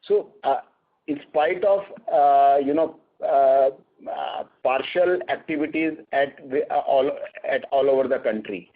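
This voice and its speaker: A man with an Indian accent answering questions as a company executive, speaking haltingly and repeating words. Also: medium pitch. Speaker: company executive on an earnings call. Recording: narrow, tinny phone line.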